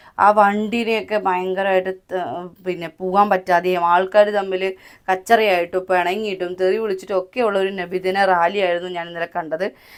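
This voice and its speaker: A woman speaks at a medium pitch in a flat, monotone way. The recording is very clean, with a silent background. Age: 30s. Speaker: YouTuber. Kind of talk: vlog commentary. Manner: halting.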